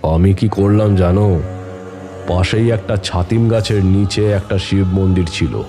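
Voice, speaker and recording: In a dramatic first-person horror tale, a man voices a tantric holy man solemnly recounting his uncanny adventures, and the mood is suspenseful. His deep, warm voice stays fairly even and unhurried. Dramatic music plays underneath him.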